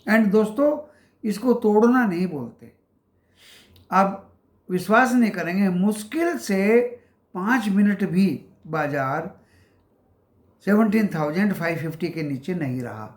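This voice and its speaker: A man hosts a stock market channel, his voice sitting fairly high. He talks his viewers through the day's price levels in a casual, halting way, calling them friends. The sound rings around an echoey room. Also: lively intonation. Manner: addresses viewers as friends, explains levels with many pauses.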